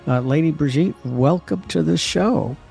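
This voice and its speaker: A man hosting a radio interview who speaks haltingly, repeating and restarting his phrases. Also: a little high, vocal fry, a little mellow, faint music behind. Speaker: radio host. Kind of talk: casual interview chat.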